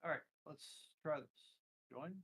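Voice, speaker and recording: A man with a voice pitched a little above average. He talks in a casual, conversational way, like a stream participant speaking to co-hosts and chat. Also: steady tone, normal speed, slightly rough, highs cut off. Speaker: live stream participant handling chat and tech.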